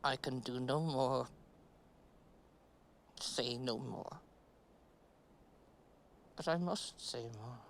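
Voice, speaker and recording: A slow, halting buried woman. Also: a bass voice, creaky, slight background noise, exaggerated voice. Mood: wistful musing. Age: middle-aged. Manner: slow, deliberate, halting delivery with long pauses. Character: middle-aged woman buried in earth, chattering, stoic. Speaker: actress in a filmed stage play. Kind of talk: absurdist stage monologue.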